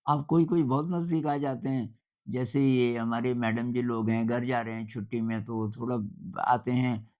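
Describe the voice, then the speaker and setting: An older man gives an informal talk on simplicity at a middle pitch, telling stories conversationally with thoughtful pauses. His tone is darkish, and the recording sounds somewhat dull and lo-fi.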